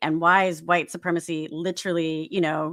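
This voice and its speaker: A woman with an American accent and an ordinary speaking voice, fairly low in pitch and at a fairly slow pace, on a very clean recording with a silent background. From California. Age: 40s. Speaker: author and organizational consultant. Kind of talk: interview.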